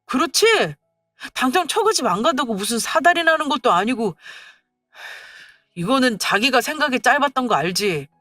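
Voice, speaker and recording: A petulant young husband who clings to his mother, played by a woman narrator, scolding and whining in exasperation. The voice has lively, swinging pitch. It sounds dry and close, with faint music behind. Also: normal speed, no room sound, heavily acted. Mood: patronizing.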